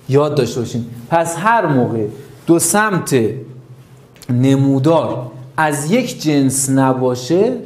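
Math teacher, male, mixed Mashhadi accent, slightly high voice, step-by-step explaining, echoey room. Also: darkish tone. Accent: mixed Mashhadi Persian. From North Khorasan, Iran. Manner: explains step by step, counting points aloud. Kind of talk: online math lesson. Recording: roomy echo.

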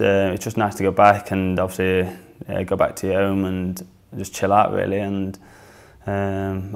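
A man's voice: deep voice, creaky. A young man from the north of England with a northern accent, a footballer answering interview questions in a hesitant way, full of fillers and restarts. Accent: northern English. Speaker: football player. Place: small studio, indoors.

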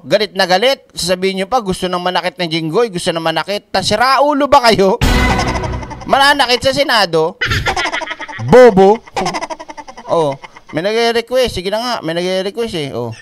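High-voiced mocking male commentator. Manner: mocking, laughs often, swears. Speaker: commentary channel host. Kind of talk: reaction commentary.

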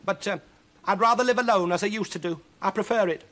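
A man voicing a miserable, snappish old witch in a storybook, with a shrill, plaintive snarl. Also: fast talker, pushed and bright. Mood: snappish, sour. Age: older.

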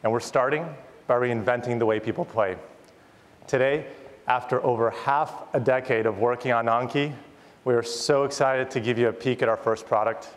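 A man's voice: mid-range voice, steady tone, normal speed. A man in his thirties, a company founder, giving an enthusiastic, rehearsed keynote product presentation on a large conference stage. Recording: long hall reverb, audience noise.

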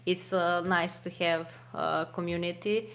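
Speaking from home over video, a young Serbian-accented woman who plays poker for a living answers interview questions, stumbling through fillers and restarts. Her lowish voice is creaky and fairly bright, with fairly even intonation and an unhurried pace. She uses a desk mic and webcam framing.

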